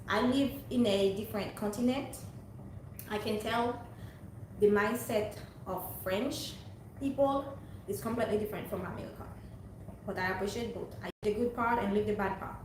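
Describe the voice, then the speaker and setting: A young woman from Haiti, talking to her viewers in a rambling, earnest, preachy monologue. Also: a little high. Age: young adult. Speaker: vlogger. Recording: very echoey room, distant mic, faint noise.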